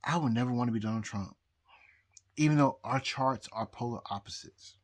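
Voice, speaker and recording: Very drunk male vlogger, husky mid-pitched voice, halting, repetitive rambling monologue. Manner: halting, repetitive, losing his thread. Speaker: amateur astrologer vlogger. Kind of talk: rambling casual monologue to viewers.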